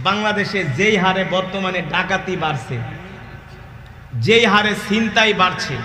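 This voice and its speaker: Amid noticeable background noise, a man uses a raised, projected voice that is high-pitched with ordinary pitch variation. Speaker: Islamic preacher and Quran reciter. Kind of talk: sermon at religious gathering. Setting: outdoor gathering with PA system. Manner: impassioned, emphatic.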